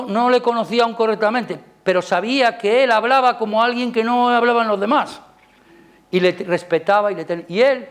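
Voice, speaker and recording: A man with a Spanish accent preaching a Sunday sermon in church, chatting with the congregation through rhetorical questions, his voice climbing loud on key points and dropping soft. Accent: Spanish from Spain. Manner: rises loud and high on emphasis, drops soft. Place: church service.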